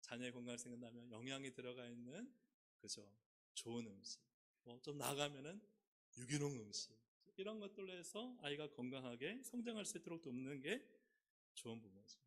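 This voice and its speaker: Korean pastor preaching with sweeping emphasis. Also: male voice, animated, brisk, a bit bright. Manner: asks the congregation questions and leads responsive reading with sweeping pitch swings. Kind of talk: sermon. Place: church sanctuary.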